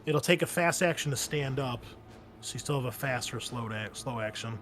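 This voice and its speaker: A man's voice: medium pitch, normal speed, a bit bright, soft background music. A man speaking casually as a game master, narrating scenes and explaining rules to players.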